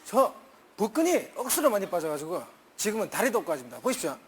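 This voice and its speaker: A man with a very high, lively voice jokes through a comic skit, playfully formal and breaking into shouts. Loud noise and clicks fill the recording. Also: quick pace.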